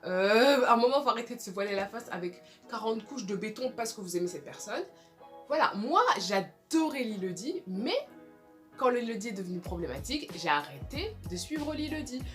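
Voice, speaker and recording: A young woman giving casual, emphatic commentary in a vlog, repeating her points and often saying sorry. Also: on the high side. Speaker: video creator.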